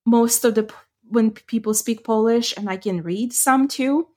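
A woman's voice: fairly high pitch, moderate pace, a little mellow. Middle-aged woman, thoughtful. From Ukraine. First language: Ukrainian. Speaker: podcast co-host. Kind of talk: casual chat.

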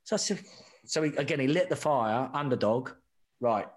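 A man in middle age talks candidly about his career, animated and full of restarts and repeated words. His pitch sits in an ordinary middle range, and he drops in "mate" as he retells conversations. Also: moderate pace. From England. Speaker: rugby sevens coach, guest.

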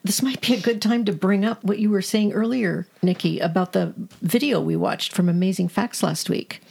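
Older woman, podcast co-host, gravelly tone, breathy edge, earnest interviewer. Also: mid-range voice, normal speed, a little mellow. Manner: earnest, probing questions. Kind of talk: conversational interview.

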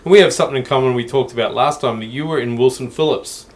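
A man's voice: mid-range voice, fast. A man hosting a casual interview, talking with eager enthusiasm and casual swearing. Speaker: podcast host.

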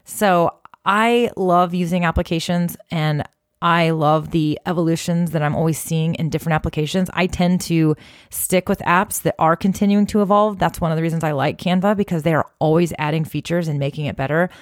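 A woman's voice: deep voice, fairly even intonation, a little fast, no room sound, studio quality. A woman hosting a social media tips video, talking straight to her viewers in an encouraging, conversational way with plenty of casual fillers. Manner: encouraging, conversational, many "you know" fillers. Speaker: social media marketing host. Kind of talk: direct-to-camera advice talk.

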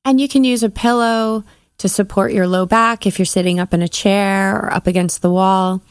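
Woman, meditation guide, measured soothing instructions, mid-pitched voice, pauses between phrases, very dry recording. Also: steady tone, clean tone, no echo. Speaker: podcast host, meditation guide and mindset coach.

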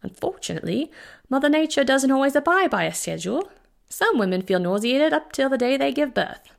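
A woman voicing a brisk, wry older woman doctor with a British accent and a dry, teasing manner. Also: high voice, big pitch swings, creaky, voice pushed up, heavily acted.

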